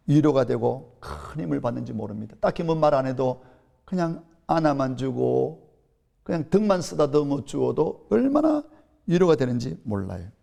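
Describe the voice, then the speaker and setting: A man's voice: mid-range voice, creaky, dark tone. A man in his fifties, a pastor with a Gyeongsang accent, preaching an earnest storytelling sermon that rises to emphatic peaks. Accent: Gyeongsang Korean.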